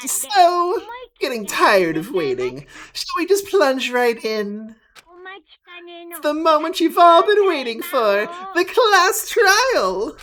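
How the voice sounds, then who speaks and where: Gleeful, swooping sing-song mascot villain. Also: female voice, high-pitched, very animated, slow, fairly bright tone, voice pushed up, heavily acted. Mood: gleeful announcing. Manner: sing-song, teasing, mock-cheerful. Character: gleeful, sarcastic mascot villain announcing a trial. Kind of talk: amateur game character voice-through.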